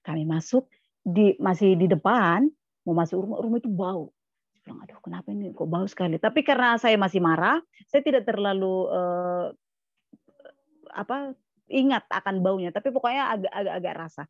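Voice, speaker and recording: A woman's voice: mid-range voice, lively intonation, moderate pace, pauses often, dry recording, highs cut off. A woman, a guest speaker at a church service, telling a personal story in a plain, repetitive way, often restarting phrases and quoting others. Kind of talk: testimony sermon, storytelling.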